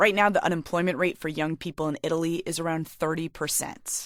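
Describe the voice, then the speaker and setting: With an American accent, a woman talks at a fairly quick pace in a very deep, low voice. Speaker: radio reporter. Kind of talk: public radio news reporting.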